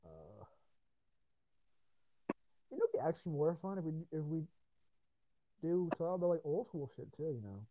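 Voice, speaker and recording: A man's voice: on the high side, very animated, normal speed, pauses often, no echo. A man hosting a podcast in casual chat, swearing, rambling and laughing often, his voice tired after hours of talking. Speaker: podcast host. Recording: tinny phone-like line.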